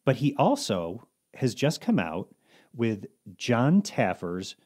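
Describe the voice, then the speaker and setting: A man co-hosting a podcast, chatting casually with lively storytelling. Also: mid-range voice, slow pace, breathy edge. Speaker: podcast co-host. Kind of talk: casual chat.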